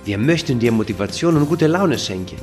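Male co-host reading an intro, lively pitch, faint music underneath. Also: brisk. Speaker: podcast co-host. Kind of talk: scripted show intro. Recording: voice over background music.

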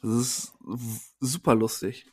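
A man's voice: mid-range voice, level tone, measured pace, a little mellow, breathy edge. A man co-hosting a casual wrestling podcast, ranting in an exasperated way. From Germany, Siegerland. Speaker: podcast co-host.

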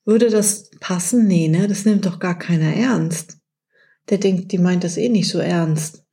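A woman's voice: fairly low pitch, measured pace, vocal fry, dark tone. A woman hosting an advice podcast, talking straight to the listener in a coaching way and acting out short example phrases. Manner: direct, coaching, addresses listener as du. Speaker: podcast host.

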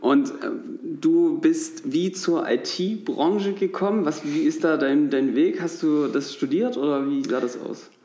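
A man hosting a business podcast, asking questions in a relaxed conversational way with occasional fillers. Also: a little high, unhurried, hardly any pauses. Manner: friendly, steady questioning with fillers. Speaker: podcast host. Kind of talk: conversational interview.

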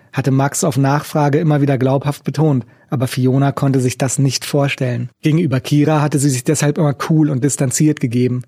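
A man reading a novel aloud as audiobook narrator, steady and measured, on a close studio mic. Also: mid-range voice, breathy edge, dry recording.

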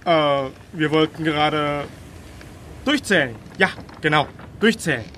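A man's voice: on the high side, animated, a little slow, bright, forceful tone, a little hiss or hum. A man voicing a servile first mate who speaks politely and hesitantly, with frequent ums. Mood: meek. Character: servile male first mate, nervous and obliging.

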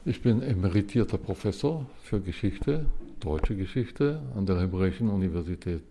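Gravelly, deep-voiced man in his seventies. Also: lively intonation, dark tone. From Israel. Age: 70s. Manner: measured, explanatory. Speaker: interview guest, historian. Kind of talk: casual interview talk.

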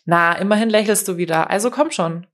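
A woman's voice: medium pitch, a little fast, lightly acted. A woman voicing an eager, pushy young man who coaxes his friend out to party. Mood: coaxing.

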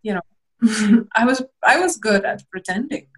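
Young woman, from Lithuania, slightly high voice, reflective, hesitant, interview guest. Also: expressive, a little slow. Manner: reflective, hesitant, with restarts and soft laughs. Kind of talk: candid personal interview.

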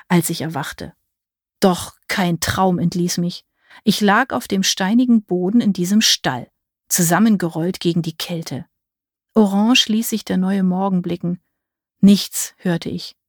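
A woman reading a dark fairy-tale story in first person, measured and vivid. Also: on the low side, no echo, clean studio sound. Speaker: audiobook narrator. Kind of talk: scripted first-person narration.

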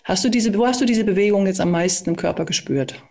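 A speaking and voice coach calmly explaining and demonstrating exercises in a conversation, with small hesitations. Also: mid-range voice, fast talker, gravelly.

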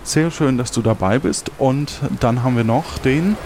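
A man's voice: mid-range voice, normal speed, a little mellow, a little hiss or hum. A man hosting a podcast game show, upbeat and announcing, now and then slipping on words. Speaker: host and quizmaster.

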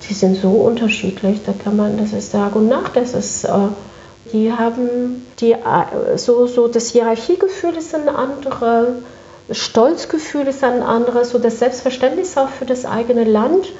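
Female interview guest, fairly high but soft-toned, emphatic repetition, conversational, slightly muffled room recording. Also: a little slow. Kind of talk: conversational interview, recounting work experience. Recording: echoey room, dull muffled sound.

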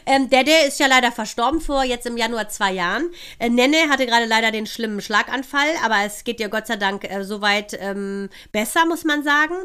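A middle-aged woman co-hosting a podcast, chatting casually and telling stories with gushing enthusiasm, her voice hoarse after a night of dancing. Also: fairly high pitch, brisk, few pauses, sharp tone. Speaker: podcast co-host. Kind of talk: casual chat.

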